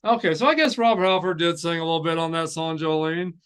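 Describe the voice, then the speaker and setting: Man, fairly high voice, smooth and clear, casual news host, halting, rambling. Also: a bit bright. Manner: halting, rambling, repeats phrases. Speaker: host of a heavy metal news show. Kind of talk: casual off-the-cuff news commentary.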